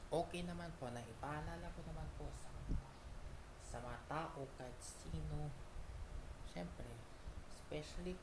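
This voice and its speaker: Halting Filipino man in a noisy, echoey room. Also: on the high side. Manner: halting, repetitive, with broken-off phrases. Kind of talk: rambling unscripted monologue. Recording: echoey room with loud background noise.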